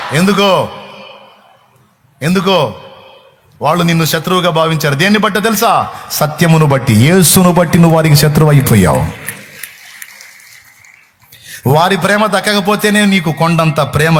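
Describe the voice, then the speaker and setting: Impassioned male preacher, high-pitched. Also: slight background noise. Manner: impassioned preaching with rhetorical questions. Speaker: pastor. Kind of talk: sermon.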